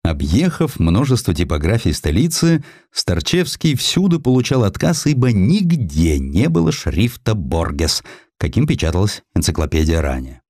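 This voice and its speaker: A man reading a historical story as narrator, in an expressive, theatrical and wry storytelling manner. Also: on the low side, moderate pace, hardly any pauses, no echo, studio quality.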